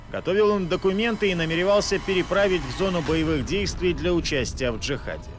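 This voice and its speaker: A man reading scripted documentary narration as the narrator of the film. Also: sits high.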